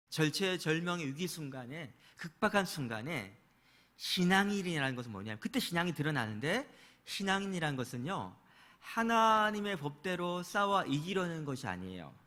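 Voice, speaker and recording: A man's voice: fairly high pitch, pushed and bright. A man preaching a sermon as pastor, telling a story, acting out the quoted voices and putting rhetorical questions to his congregation.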